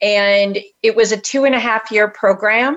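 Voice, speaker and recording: A woman with an American accent, fairly slow and fairly even in intonation. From small town in Iowa, US Midwest. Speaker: college finance counselor, former bursar. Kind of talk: personal story in interview.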